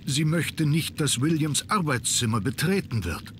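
An actor playing a dutiful, deferential manor butler in a video game, formal and measured in his phrasing. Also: a little high, expressive, slight background noise. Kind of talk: scripted video game acting.

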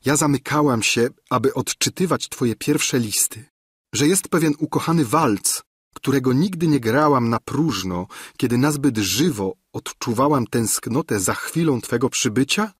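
A man reading aloud the impassioned, pleading lines of a despairing young woman in love, in a husky voice. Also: mid-range voice, lively intonation, unhurried, no echo, clean studio sound. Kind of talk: audiobook reading of a classic novel.

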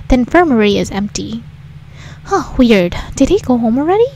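High-voiced woman reading a visual novel. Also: darkish tone, a little hiss or hum, low-quality recording. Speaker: let's play host. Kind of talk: reading visual novel aloud with casual commentary. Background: game music.

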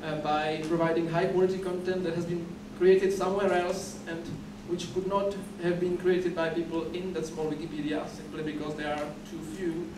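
A young man whose first language is Czech, from the Czech Republic, gives a conference talk from the podium of a dim lecture hall. His voice is a little high with little pitch movement, and he talks at a moderate pace with few pauses, though he often repeats words and restarts. The sound comes from a far camera picking up the podium mic, so it's echoey and noisy.

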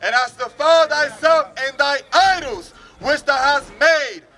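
A man reading Bible verses aloud for a preacher, loudly declaiming them in drawn-out phrases. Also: very high voice. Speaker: scripture reader for a preacher.

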